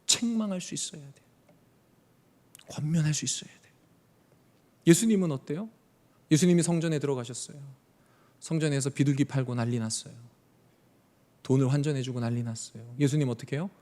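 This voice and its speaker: A male pastor preaching a sermon in a church, swinging between loud emphasis and hushed tones and asking his congregation questions he then answers. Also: a little high, brisk, long pauses. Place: church sanctuary. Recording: long church reverb.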